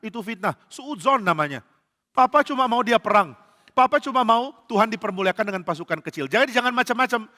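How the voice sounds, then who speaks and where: A man's voice: very high voice, expressive, a little fast, sharp tone, voice pushed up, exaggerated voice. A male pastor voicing a scheming, jealous King Saul in a sermon story, sly and whiny by turns. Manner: shifts from sly sweetness to whiny spite. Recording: church hall reverb.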